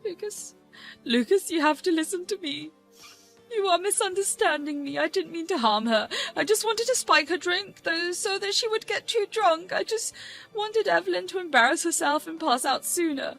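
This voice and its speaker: A shrill, scheming older mother-in-law snaps and pleads, as a woman narrator puts her on, her voice pushed far above the teller's own. Faint music runs underneath. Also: animated, moderate pace, creaky, fairly bright tone, full character voice. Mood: pleading, tearful. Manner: shrill, sobbing, venomous.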